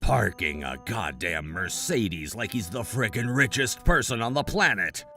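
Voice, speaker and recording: A man's voice: fairly low pitch, expressive, a little slow, sharp tone, faint music behind, pitched below the performer's own voice, heavily acted. A man voicing a spiteful, crude bully of a boss who sneers and cackles. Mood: sneering.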